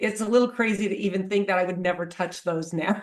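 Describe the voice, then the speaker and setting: A woman with medium pitch and ordinary pitch variation has a plain, everyday voice. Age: 60s. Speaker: herbalist. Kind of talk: interview.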